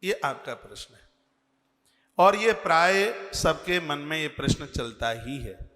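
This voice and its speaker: A man preaching a devotional sermon, speaking slowly and earnestly and chanting scripture verses. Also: a little high, animated, bright, forceful tone, long reverb tail. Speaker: religious preacher.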